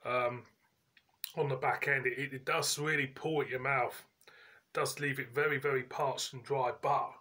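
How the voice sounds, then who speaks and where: A man, giving a casual, chatty review in colloquial, halting phrases as host. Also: medium pitch, fairly even intonation, pushed and bright. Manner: informal, colloquial, pauses mid-sentence. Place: indoors, living room at home.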